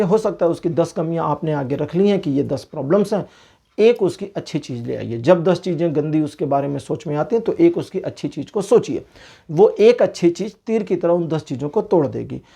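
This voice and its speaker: A man reading tarot cards and giving relationship advice in a casual, explanatory way, pausing to search for words. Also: fairly high pitch, creaky, mellow, slightly rough. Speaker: tarot card reader.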